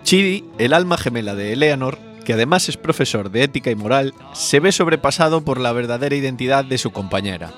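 Man, scripted recap narration, wry and chatty, mid pitch, faint music behind. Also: expressive, a little fast, hardly any pauses, fairly bright tone. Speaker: video narrator.

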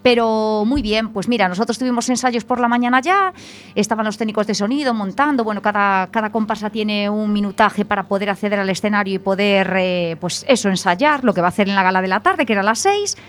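A young woman, a guest on a radio chat, telling stories in a lively way and acting out other voices. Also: medium pitch, fairly quick. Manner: lively storyteller, acts out voices. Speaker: event presenter, guest. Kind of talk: casual radio interview.

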